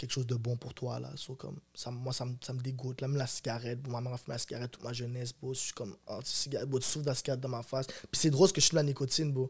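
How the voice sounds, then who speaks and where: A man speaks with a Quebec accent in monotone, flat intonation. His voice is somewhat breathy and his pace fairly quick. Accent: Quebec French accent when speaking English. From Montreal, Quebec. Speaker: rapper; guest. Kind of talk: interview. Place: studio. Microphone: studio mic.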